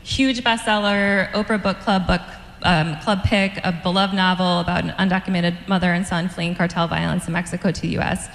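Woman interviewer in a reverberant hall. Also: on the low side. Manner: measured, prepared questions with fillers. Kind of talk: onstage author interview. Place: event stage before an audience. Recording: roomy hall, long reverb.

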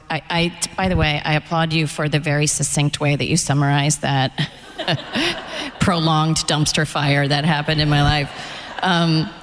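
A middle-aged woman novelist speaking candidly on stage about her life and work, with wry humor. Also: sits low. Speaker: novelist being interviewed. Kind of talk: onstage author conversation. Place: event stage before an audience. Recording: echoey hall, long reverb.

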